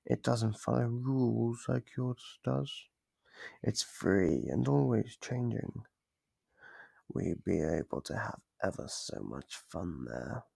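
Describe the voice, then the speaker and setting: A man voicing a playful, sadistic monster from under the bed in an ASMR roleplay, gravelly and breathy, savoring his slow, mock-gentle taunts. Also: fairly low pitch, sing-song, no echo, exaggerated voice. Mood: scornful, eager. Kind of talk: ASMR roleplay, scripted monologue. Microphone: close microphone.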